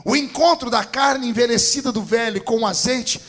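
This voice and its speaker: High-pitched preacher man, dramatic sermon. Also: moderate pace. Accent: Brazilian Portuguese. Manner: dramatic storytelling, builds to shouting. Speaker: pastor.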